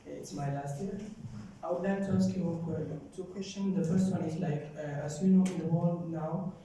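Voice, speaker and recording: Young man from Somalia, high voice, mellow tone, halting, echoey hall from off mic. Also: steady tone, recorded from a distance, slight background noise. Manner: halting, repeats and rephrases. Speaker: audience member asking questions. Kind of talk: question at a forum Q&A. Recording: roomy hall, speaker off mic.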